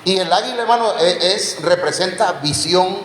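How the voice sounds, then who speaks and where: Speaking at a moderate pace in a high, fairly bright voice, a man gives a Bible teaching sermon, questioning the congregation and calling them brothers. The setting is a church hall with echo and faint background noise.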